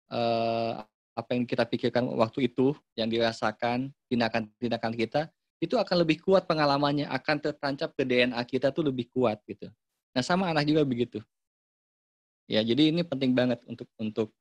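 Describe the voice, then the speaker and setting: A man's voice: medium pitch, no room sound, lo-fi sound. Man explaining with acted-out examples. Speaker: parenting speaker. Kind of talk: online talk session.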